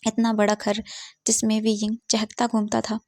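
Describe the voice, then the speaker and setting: A woman's voice: fairly high pitch, monotone, normal speed, darkish tone, dry recording, clean studio sound. A woman telling a story in a casual, conversational narrating style, mixing in English words.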